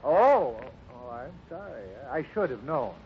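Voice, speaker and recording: On a dull old radio recording, a kindly cowhand. His voice is high and animated, with a folksy, concerned way of talking. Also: unhurried. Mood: friendly. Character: curious, kindly cowboy ranch hand. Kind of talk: 1950s radio drama acting. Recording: dull, faintly noisy 1950s radio recording.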